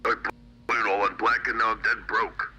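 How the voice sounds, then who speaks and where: A man's voice: on the low side, little pitch movement, normal speed, noisy background, natural voice. A man voicing a hapless, grumbling bear mascot in an old-style cartoon commercial skit. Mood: deadpan grumbling.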